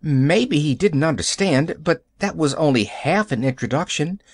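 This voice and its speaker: A man's voice: on the high side, expressive, moderate pace, no room sound, pitched above the performer's own voice. A man voicing a cheerful, chatty young girl who talks eagerly. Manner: bright and eager.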